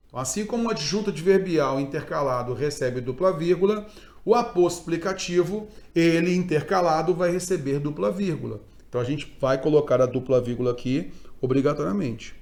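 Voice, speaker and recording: A Brazilian man teaching a Portuguese grammar lesson online, explaining step by step and often checking in with quick tags. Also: a little high, a little mellow. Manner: didactic, frequent check-in tags, emphatic stresses. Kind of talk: online exam-prep lecture.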